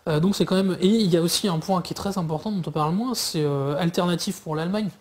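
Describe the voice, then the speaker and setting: A man's voice: high-pitched, fast. Hesitant man discussing politics. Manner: hesitant, many fillers and restarts. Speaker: guest commentator.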